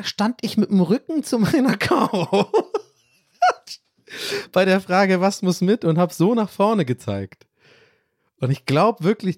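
A man's voice: a little high, a little mellow, no echo, clean studio sound. A man co-hosting a podcast, telling a story in a casual, self-mocking way and laughing often. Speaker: podcast co-host.

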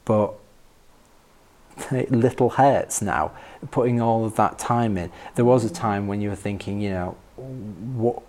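A man in reflective personal conversation as an interview guest, thoughtful and halting, often repeating words. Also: on the low side, darkish tone.

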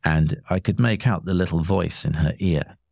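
Man reading a story, deep low voice, measured and a bit wry, dry close sound. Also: creaky, a little mellow, no echo. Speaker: narrator.

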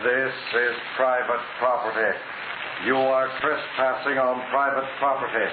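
Echoing, tinny stern warning. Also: male voice, mid-range voice, little pitch movement. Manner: slow, deliberate, menacing. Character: stern property owner warning off trespassers by recording. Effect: played back through phonograph or loudspeaker. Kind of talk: 1940s radio crime drama acting. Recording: echoing, hissy, narrow-band 1940s radio recording.

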